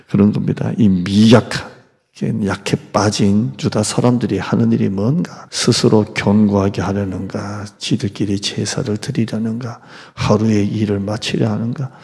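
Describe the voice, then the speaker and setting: A male pastor preaching a sermon in a church, dramatic and emphatic, dropping to hushed tones and then rising as he mimics scoffing enemies. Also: fairly low pitch, gravelly, slightly rough. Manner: dramatic, swings from hushed to loud, acts out mocking enemies. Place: church sanctuary. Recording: church hall with long reverb.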